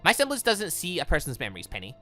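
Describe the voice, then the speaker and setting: A man voicing a shaken, earnest young female student in a visual novel, halting and stammering. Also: fairly high pitch, huge pitch swings, sharp tone, soft background music, heavily acted. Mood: troubled, halting.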